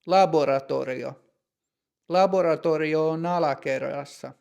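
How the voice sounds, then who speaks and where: A man reads a simple learner's story aloud in a slow, clear, deliberate way. His voice sits a little high and carries a gravelly fry. The delivery is plain scripted narration for students. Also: a little mellow, highs cut off. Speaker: language teacher narrator.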